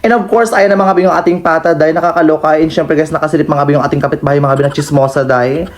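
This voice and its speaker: A young man from the Philippines narrates his family food vlog in a teasing, campy comedic voice-over. He talks very fast, in a slightly high voice, tossing in playful asides. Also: steady tone. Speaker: vlogger.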